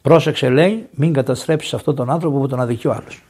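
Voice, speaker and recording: Male priest from Greece, sermon, animated delivery with loud emphatic peaks. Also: mid-range voice, a little hiss or hum. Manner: lively, conversational preaching with sudden raised emphasis.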